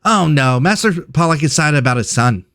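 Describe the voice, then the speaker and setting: A man acts out a friendly, overworked clawed creature from a tabletop game. The voice is slightly high and dry, rambling along with hesitant, gossipy chatter. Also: expressive, brisk, a bit bright, no echo. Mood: chatty, earnest. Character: chatty clawed cave-loving resort worker, friendly and overworked.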